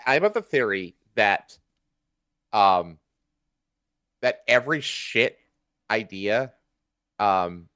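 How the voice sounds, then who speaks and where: A man co-hosting a livestream, chatting casually in an easygoing, halting way. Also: on the low side, expressive, bright, forceful tone, smooth, dry recording, studio quality. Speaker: livestream co-host. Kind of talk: casual chat.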